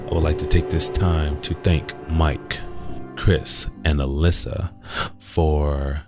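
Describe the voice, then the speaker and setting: A man hosting a podcast, talking off the cuff in a halting, self-deprecating, rambling way. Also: rumbling low, steady tone, loud music behind the voice. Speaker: podcast host and writer. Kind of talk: unscripted rambling talk.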